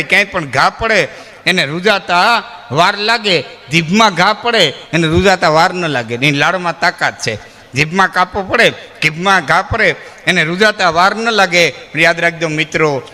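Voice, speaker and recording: A man's voice: sits high, sharp tone, in a large hall. A man telling folk jokes and moral stories on stage, often addressing the audience as friends. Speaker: folk storyteller and comedian. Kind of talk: live folk humor storytelling on stage.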